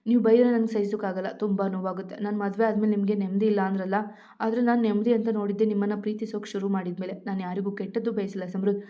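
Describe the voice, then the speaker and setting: A woman's voice: mid-range voice, little pitch movement, fast, close to an everyday voice. A woman voicing a hurt, tearful young pregnant wife, pleading as she reads. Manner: pleading, emotional storytelling reading. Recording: dull lo-fi audio.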